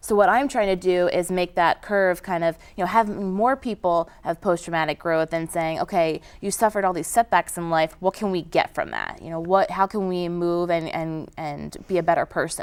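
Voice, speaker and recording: Hardly pausing, a woman with a Philadelphia accent speaks at a fairly low pitch with fairly even intonation on a very clean recording with a silent background. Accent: Philadelphia American. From Philadelphia, US. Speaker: former homeless student, researcher. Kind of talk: interview. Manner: fast.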